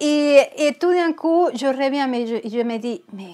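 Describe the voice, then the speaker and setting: With a Venezuelan accent, a woman speaks in a dark, mellow tone with ordinary pitch variation. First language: Spanish (speaking French). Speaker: summit creator and speaker. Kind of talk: interview. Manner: halting, many repetitions.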